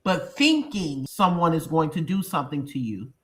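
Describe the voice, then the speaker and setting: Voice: medium pitch, lively intonation, normal speed, a bit bright. A congested, sniffling reaction channel host giving emphatic commentary on a case, repeating points and explaining to viewers. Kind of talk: commentary on a true crime case.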